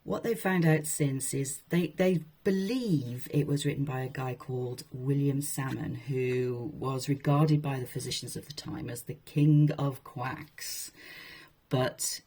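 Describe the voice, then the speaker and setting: Casting: woman with a deep, soft-edged husky voice for informal readings of historical books, wryly amused. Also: steady tone, measured pace. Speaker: presenter reading old texts. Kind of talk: informal talk with read-aloud passages from a historical book.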